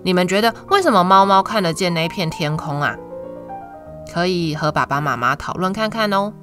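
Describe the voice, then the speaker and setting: A woman with a Taiwanese Mandarin accent hosts a children's story show, reading a picture book as if to a toddler in a sing-song way, with drawn-out words and questions to young listeners. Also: on the low side, expressive, a bit bright. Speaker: children's storytelling podcast host. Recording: music behind the voice. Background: instrumental music.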